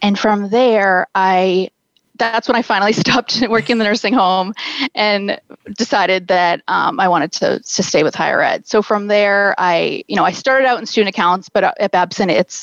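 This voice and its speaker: An unremarkable speaking voice moves at a moderate pace with ordinary pitch variation, over a quiet background and with a dry, close sound with no echo. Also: woman. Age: 30s. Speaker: college financial aid counselor. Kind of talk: personal story in interview.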